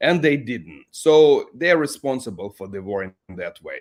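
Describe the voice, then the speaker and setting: A man with a Russian accent and a fairly high pitch makes very wide pitch swings on a very clean recording with a silent background. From Ukraine. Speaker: professor. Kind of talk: interview.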